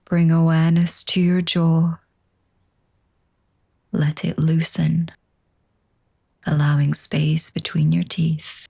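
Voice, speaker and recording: Woman doing a yoga nidra meditation, super soft and mellow, creaky husky voice, gentle hushed instructions. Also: low-pitched, monotone, takes it slowly, long pauses. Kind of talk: slow guided relaxation meditation.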